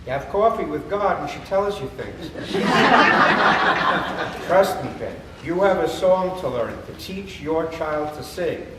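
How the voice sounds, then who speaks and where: A man on stage playing a wry, patient Jewish cantor who speaks persuasively, pausing for emphasis. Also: a little high, lively intonation. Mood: gentle. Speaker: stage actor in a staged play reading. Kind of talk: live theater comedy acting. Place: theater or temple hall, far microphone. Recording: echoey hall from far off, noisy.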